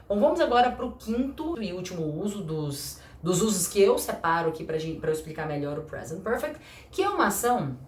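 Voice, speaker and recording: Lively woman teacher, echoey room. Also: mid-range voice. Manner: chatty, lively, acts out little dialogues, slows for example sentences. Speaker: English teacher. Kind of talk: casual explanatory lesson.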